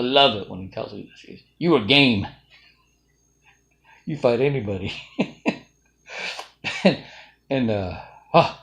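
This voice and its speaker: A man's voice: fairly low pitch, creaky. A middle-aged man from Alabama, talking through a casual, rambling self-reflective monologue full of fillers and restarts. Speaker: vlogger.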